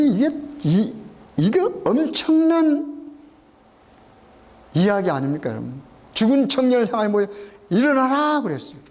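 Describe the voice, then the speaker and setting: A middle-aged man with a high voice preaches a sermon to his congregation. He keeps asking questions, answers them himself, and repeats the key phrases slowly for weight. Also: darkish tone. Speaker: pastor.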